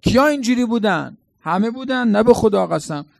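A man's voice: sits high, animated, gravelly, dry recording. A man preaching a colloquial sermon, telling stories dramatically and quizzing the congregation with questions.

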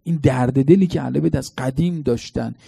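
A man's voice: mid-range voice, creaky, mellow, breathy edge, dry recording. A man preaching a colloquial sermon, telling stories dramatically and quizzing the congregation with questions.

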